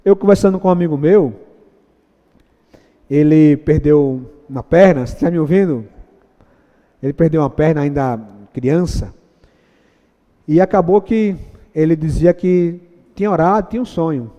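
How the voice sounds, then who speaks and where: A man preaching a sermon as pastor, acting out Bible figures in quoted voices and swinging from hushed prayer to loud emphatic calls. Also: on the high side, moderate pace, pauses often, muffled recording. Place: church sanctuary. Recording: long hall reverb in church.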